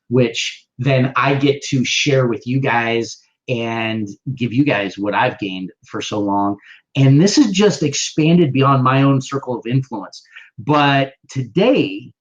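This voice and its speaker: A man hosting and producing an interview show, talking in an excitable, playful way. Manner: excitable, playful, jumps up and down in pitch. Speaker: podcast host and producer. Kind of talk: casual interview chat. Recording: slightly dull lo-fi sound.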